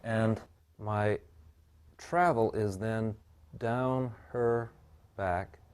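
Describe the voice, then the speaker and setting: A man teaching a hands-on bodywork class, explaining each step calmly and guiding his client's breathing slowly. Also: on the low side, clean tone. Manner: calm, measured explanation with slow guiding instructions. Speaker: bodywork instructor.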